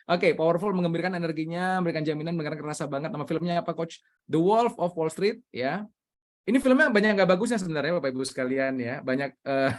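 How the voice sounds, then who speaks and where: A man leading an online training session over a video call, energetic and coaxing his audience. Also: mid-range voice.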